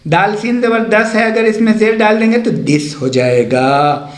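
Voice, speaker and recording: A man's voice: sits high, unhurried, reverberant. A man teaching an Urdu lesson, patiently repeating letter names step by step.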